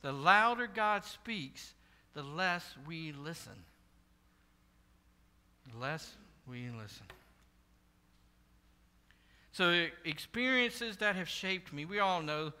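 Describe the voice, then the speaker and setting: A man preaches in a church sanctuary, his high, piercing voice carrying a long hall reverb. He talks with the congregation conversationally, then sinks into hushed asides and rises to loud, shouted warnings. The tone stays smooth and clear throughout. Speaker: pastor. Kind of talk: sermon.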